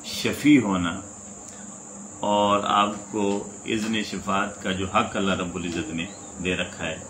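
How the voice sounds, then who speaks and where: A man teaching a spoken lesson on Quranic recitation. He is patient and sounds out letters slowly, repeating them to demonstrate. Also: lowish voice, little pitch movement. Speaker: religious teacher. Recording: echoey room, faint insect noise.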